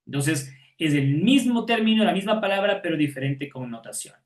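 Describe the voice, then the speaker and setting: A man's voice: fairly high pitch, animated, normal speed, reverberant. A man teaching an online class, patiently explaining and checking in with his students after every point.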